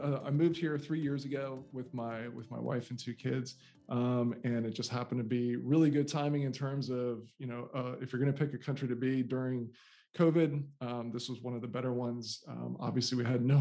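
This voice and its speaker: A man's voice: mid-range voice, mellow. A man in his forties with an American accent, telling his story as an interview guest and often repeating and restarting words. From United States. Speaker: guest, software founder.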